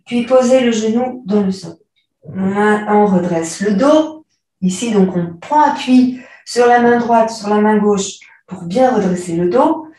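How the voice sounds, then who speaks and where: Yoga teacher, woman, calm step-by-step cues; distant mic in a roomy hall. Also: medium pitch, unhurried. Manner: calm, cueing breath and movement step by step. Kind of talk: guided yoga class instruction. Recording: echoey room, voice from afar.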